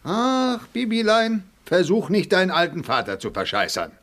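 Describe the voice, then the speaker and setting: A man's voice: high-pitched, huge pitch swings, normal speed, fairly bright tone, slight background noise, heavily acted. An actor playing a good-natured middle-aged father in a radio play, fond and knowing in his teasing.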